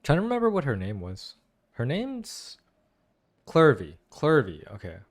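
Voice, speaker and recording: A man's voice: medium pitch, wildly swooping pitch, unhurried. A young man giving casual, slangy gaming commentary with lots of exclamations. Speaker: game streamer reacting to a story quest.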